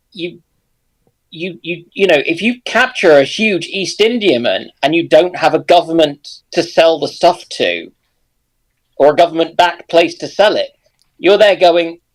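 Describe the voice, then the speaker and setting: Fairly high-pitched man chatting casually. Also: rough recording. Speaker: panelist. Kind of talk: casual chat.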